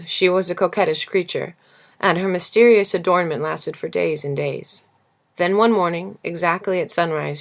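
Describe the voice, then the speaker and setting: A woman reading a literary story aloud as an audiobook narrator, in a gentle, measured and expressive manner. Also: fairly low pitch, gravelly. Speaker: audiobook reader.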